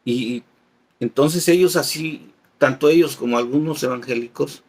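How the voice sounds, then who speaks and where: A man's voice: medium pitch, normal speed, darkish tone, husky. A man teaching a Bible class as a catechist, reading passages aloud and explaining them patiently with everyday examples.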